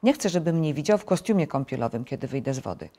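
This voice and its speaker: A woman's voice: low voice, expressive, fast talker, dark tone. Woman voicing a fussy male toad, complaining, emphatic, children's storybook. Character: fussy grumbling male toad, easily upset.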